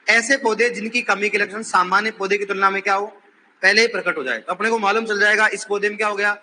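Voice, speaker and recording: A man's voice: high voice, steady tone, quick pace, slight background noise. A male teacher lecturing a classroom, quizzing and teasing his students and raising his voice to drill the answers. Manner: says he is shouting while teaching.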